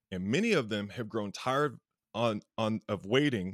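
On a very clean recording with a silent background and a dry, close sound with no echo, a man with an ordinary speaking voice and fairly low pitch talks at a fairly quick pace. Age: 40s. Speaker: marriage and family therapist. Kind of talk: casual chat.

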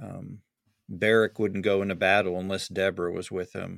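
On a very clean recording with a silent background, a man with a Southern US accent speaks at a fairly slow pace and a fairly low pitch with monotone, flat intonation, the sound dry and close with no echo. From US South. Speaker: pastor, panelist. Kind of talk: panel discussion.

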